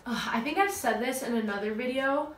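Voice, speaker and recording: A woman's voice: on the high side, lively intonation, a little fast, fairly bright tone, roomy sound, faint music behind. A young woman with a stuffy, nasal voice, chatting her way through a makeup tutorial from home. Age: young adult. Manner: chatty, gushing, self-teasing. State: stuffy nose. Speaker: beauty vlogger. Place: small home room, indoors. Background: dogs playing.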